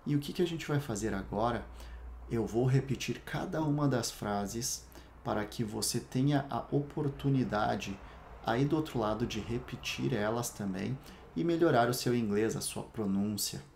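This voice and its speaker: A man's voice: mid-range voice, normal speed, vocal fry, darkish tone, a little hiss or hum. A man from Brazil teaching an English lesson, building phrases step by step and repeating words one at a time for the learner to repeat. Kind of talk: slow step-by-step language lesson.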